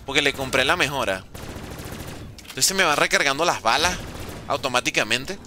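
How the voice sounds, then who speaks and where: A Venezuelan man streaming a game live, chatting with viewers and reacting in quick bursts. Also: medium pitch, slight background noise. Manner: lively, banters with chat, talks fast in bursts. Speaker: gaming streamer. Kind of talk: live gameplay commentary reading chat.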